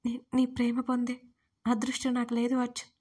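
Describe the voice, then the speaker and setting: A woman voicing a dying young wife who speaks softly and haltingly in an audio story. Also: a little high, completely flat delivery, slightly rough. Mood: faint, tender. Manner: soft, faltering, breaking off.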